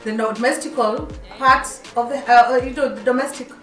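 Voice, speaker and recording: A woman's voice: a little high, fairly even intonation, a little fast, far from the mic. Woman host, raised in Kenya, Kikuyu native; rambling chat, echoey off-mic sound with music behind. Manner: chatty, repeats and restarts words. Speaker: radio show host. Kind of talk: casual radio chat.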